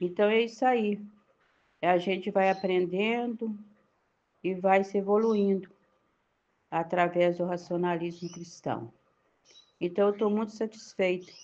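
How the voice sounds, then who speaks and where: A woman's dark, mellow voice keeps a fairly even intonation, broken by long, frequent pauses. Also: medium pitch for a woman, fairly slow pace. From Brazil, Espírito Santo (Alegre). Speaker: follower giving testimony. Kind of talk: recorded testimony. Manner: halting, hesitant.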